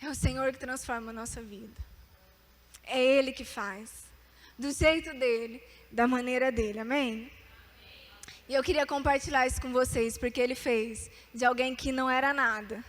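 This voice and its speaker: A young woman with a high, light voice preaches to a youth group. She tells her own story and keeps calling the crowd to answer amen and repeat lines after her. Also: moderate pace. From Brazil. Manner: animated, calls for amens and repeat-after-me. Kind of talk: sermon with testimony.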